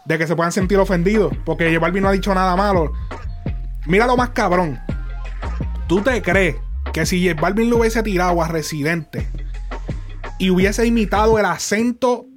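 A man's voice: high-pitched, normal speed, pauses often. A young man with a Puerto Rican accent, hosting a music commentary show in emphatic, profanity-heavy casual talk with many restarts. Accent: Puerto Rican Spanish.

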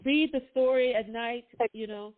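A woman's voice: a little high, normal speed. A woman hosting an interview, speaking in a chatty, enthusiastic way. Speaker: host. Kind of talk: casual interview chat. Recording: tinny phone line.

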